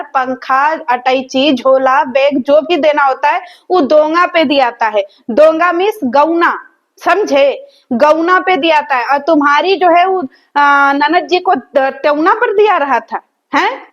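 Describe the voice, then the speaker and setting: A woman's voice: sits high, lo-fi sound. A woman, hosting a reaction video and roasting the people in it in a mocking, sarcastic, scolding way. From rural village in north India.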